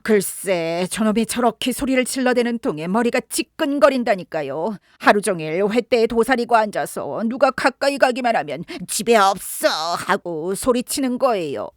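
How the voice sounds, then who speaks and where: A woman's voice: fairly high pitch, expressive, normal speed, few pauses, no echo, clean studio sound, natural voice. A woman putting on a grumbling old housekeeper. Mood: irritated. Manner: complaining, cursing.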